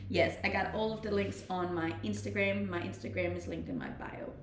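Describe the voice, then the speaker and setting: A woman's voice: lowish voice, huge pitch swings, fairly quick, echoey room, slight background noise. A young woman with a Danish accent, chatting casually with viewers on her stream and laughing easily. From Denmark. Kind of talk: casual chat reading viewer questions. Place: rented house, indoors.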